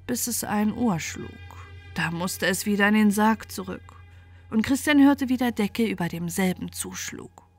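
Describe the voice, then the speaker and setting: A woman reading a bedtime fairy tale as an expressive, measured storyteller. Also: a little high, dry recording.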